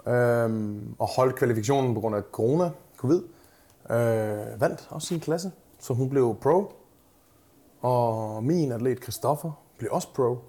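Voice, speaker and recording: A man who coaches bodybuilders, talking casually in a podcast chat, telling lively stories with plenty of fillers and casual swearing. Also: mid-range voice.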